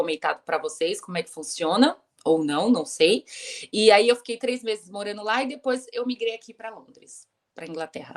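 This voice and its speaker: Lively intonation and big swings in loudness come through at a moderate pace. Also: woman, fairly high pitch for a woman. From Brazil, São Paulo city. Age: young. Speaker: Brazilian immigrant guest. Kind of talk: podcast interview. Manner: talkative.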